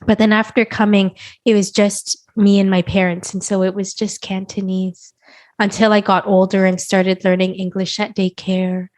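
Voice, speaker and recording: A woman's voice: medium pitch, level tone, moderate pace, a little mellow. A woman in a casual podcast chat, thinking aloud and saying "like" often. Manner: thoughtful, uses "like" a lot. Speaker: podcast co-host.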